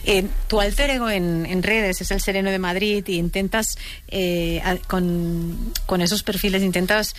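Woman from barcelona doing an interview, kinda halting, repeats words a lot. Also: mid-range voice, steady tone, slight background noise. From Barcelona, Spain. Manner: halting, repeats words while searching for phrasing. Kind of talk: radio-style interview chat.

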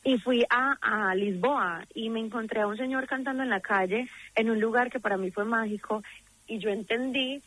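A woman's voice: a little high, moderate pace, a bit bright, dry recording, low-quality recording. A young woman from Medellín with a paisa Colombian accent, a singer talking earnestly and effusively in a promotional interview. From Medellín, Colombia; grew up in the United States. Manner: earnest and effusive, frequent restarts. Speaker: singer guest.

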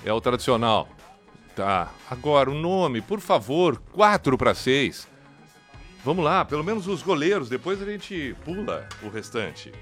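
A man with a Brazilian Portuguese accent hosting a live radio show, narrating an event as it happens in an excitable, urging way. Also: mid-range voice, a little slow, soft background music. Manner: excitable, urging, running play-by-play. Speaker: radio host. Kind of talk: live commentary chat.

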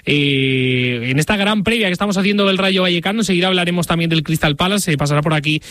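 Spanish guy hosting a live sports show, talks really fast, super effusive, dry close sound. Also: high voice, fairly bright tone, dry recording. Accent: Spanish (Spain). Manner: effusive, emphatic, repeats phrases for emphasis. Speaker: radio or stream host.

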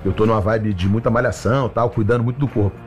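A man's voice: on the low side, fairly even intonation, fast, darkish tone, faint music behind. A man, a singer, answering interview questions in an easygoing, chatty way. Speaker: guest singer.

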